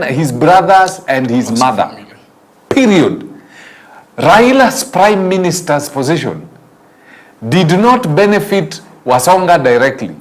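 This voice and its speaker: Animated Kenyan man hosting a show. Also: a little high. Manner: animated, laughs often, preachy. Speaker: talk show host. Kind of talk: closing commentary on a panel show.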